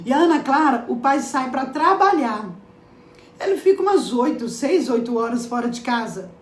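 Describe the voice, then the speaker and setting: An older woman pastor, preaching a dramatic sermon that swings between soft and emphatic. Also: sits high, sing-song, normal speed, roomy sound.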